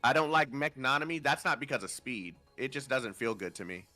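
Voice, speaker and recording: A man hosting a casual gaming livestream, animated and swearing casually, just woken up. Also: mid-range voice, a little fast, soft background music. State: just woke up. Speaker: livestream host.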